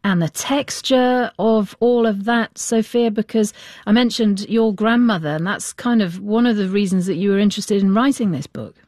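A woman's voice: medium pitch, a little mellow, no echo, studio quality. Woman host steering a panel. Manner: brisk, steering questions. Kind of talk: hosting a radio panel.

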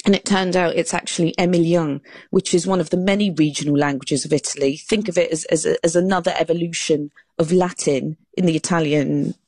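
A woman's voice: on the low side, steady tone, brisk, darkish tone, slightly rough, no echo. A woman author, a guest on a panel talk, explaining in an earnest way and restarting her phrases now and then. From England. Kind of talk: radio panel discussion.

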